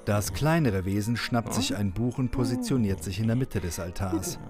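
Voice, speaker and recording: A man's voice: lowish voice, animated, normal speed. A man narrating an amateur German audio drama in a scripted, dramatic storytelling style, with music behind him.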